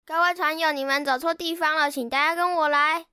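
Woman doing a high, bright, flustered young vampire boy. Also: steady tone, a little fast, no echo, clean studio sound. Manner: whiny, flustered, pleading. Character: frantic young male vampire trainee tour guide.

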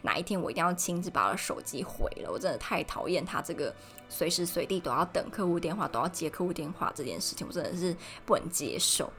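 A young woman from Taiwan, chatting casually on her solo podcast from home and telling stories in an animated way. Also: on the low side, fast, soft background music. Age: young adult. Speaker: podcast host.

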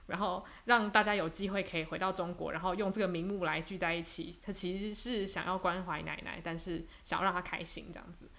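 Fast-talking young woman podcast co-host. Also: on the low side, fairly bright tone. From Taiwan. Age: young adult. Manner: reflective, many fillers and restarts. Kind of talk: casual chat.

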